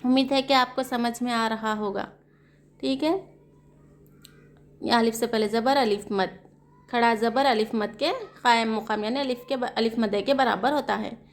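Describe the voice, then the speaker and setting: A woman Quran reading teacher with a South Asian Urdu-Hindi accent, slowly spelling out letters and vowel marks and explaining the rules with questions. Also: on the high side, steady tone. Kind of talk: slow spelled-out recitation lesson.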